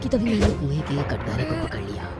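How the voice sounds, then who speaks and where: Lively male horror storyteller over loud music. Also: on the high side, brisk. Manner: dramatic. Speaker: story narrator. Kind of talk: scripted first-person horror story narration.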